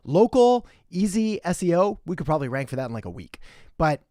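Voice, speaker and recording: Man, young adult, live-stream host, slightly high voice, dry close sound, chatty, blunt advice. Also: big pitch swings, brisk, mellow, no echo. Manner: chatty, greets viewers by name; direct, gives blunt advice. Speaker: marketing host. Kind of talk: live-stream Q&A, casual chat. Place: home in western Canada.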